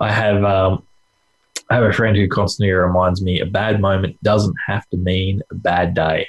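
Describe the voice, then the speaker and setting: A man speaks with an Australian accent at a fairly low pitch, and his voice is somewhat breathy. His intonation stays fairly even. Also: moderate pace, very even loudness. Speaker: hypnotherapist.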